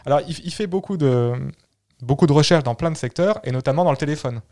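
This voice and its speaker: A man's voice: on the high side, fast, dark tone. A man co-hosting a casual history talk, explaining and storytelling as he repeats words while he thinks. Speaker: podcast co-host telling history.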